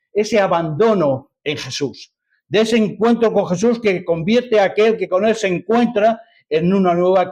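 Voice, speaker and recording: Here a man from Spain gives a sermon, reading from scripture and expounding on it for those gathered. He speaks emphatically, repeating himself and posing rhetorical questions, in a voice on the high side with a slightly mellow quality.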